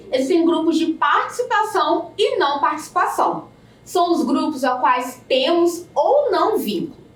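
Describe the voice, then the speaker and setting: A woman teaches a recorded video lesson. Her voice is high, and she breaks words into syllables at a slow, careful pace. She sounds a little far from the mic in an echoey room. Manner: slow, deliberate syllable-by-syllable explanation.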